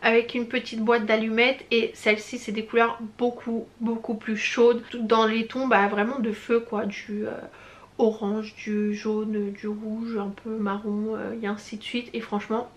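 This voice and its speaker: Young female vlogger, slightly high voice, chatty and effusive, casual review tone. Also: little pitch movement, a little slow. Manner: chatty and gushing, many hesitations and slang. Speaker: beauty vlogger. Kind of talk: casual product review chat.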